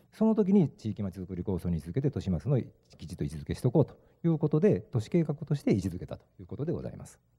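Over a quiet background, a man speaks very fast in a dark, mellow tone with vocal fry. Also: big swings in loudness. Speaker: city government department head. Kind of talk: formal official explanation. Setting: council committee room. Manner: formal. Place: meeting room. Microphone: podium.

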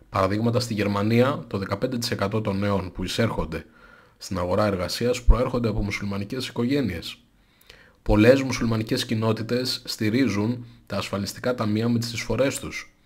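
Fairly even intonation against a quiet background. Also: man, fairly low pitch for a man, moderate pace. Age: 40s. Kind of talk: opinion commentary. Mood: critical, argumentative. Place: home room. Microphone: studio mic.

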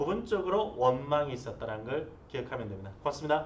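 Speaking at a fairly quick pace, a man with a fairly high pitch makes very wide pitch swings over light background noise. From South Korea. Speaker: Korean language tutor; Korean language teacher. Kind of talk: lecture. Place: classroom.

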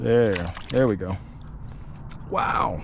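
With light background noise behind him, a man talks using ordinary pitch variation. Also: dry sound with no echo. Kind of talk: casual vlog chat. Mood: excited, pleased. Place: boat. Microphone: phone near.

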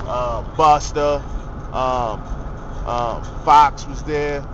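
A man is speaking in a dry sound with no echo. There is noticeable background noise. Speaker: vlogger. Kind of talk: casual vlog monologue. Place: car. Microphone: phone near.

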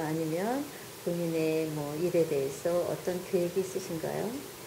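A woman talks while noticeable background noise fills the recording. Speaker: reporter interviewing a guest. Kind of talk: interview. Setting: guest's office. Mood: polite, warm. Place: office.

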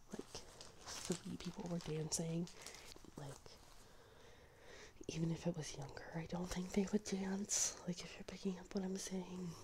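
Soft-spoken whispering comes at a fairly slow pace with long, frequent pauses over noticeable background noise. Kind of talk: casual vlog chat. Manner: soft whispered ASMR rambling. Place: home room. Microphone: phone near.

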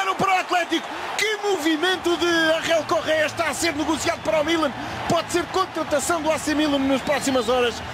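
The speaker has an animated, excited tone and keeps a fairly quick pace. Loudness stays very even despite noticeable background noise. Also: man, extremely high pitch for a man. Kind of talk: live football commentary, play-by-play. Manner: animated, fast, excited on goals.

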